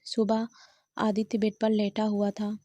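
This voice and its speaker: Woman narrating a story in a flat voice. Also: medium pitch, unhurried, no room sound. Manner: reads all characters in her own voice, little change. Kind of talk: scripted narration of a family drama.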